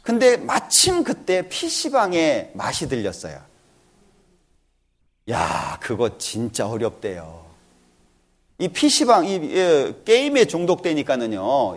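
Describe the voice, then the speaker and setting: A middle-aged man giving a church lecture, telling an earnest personal story about his family and acting out their talk. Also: on the high side.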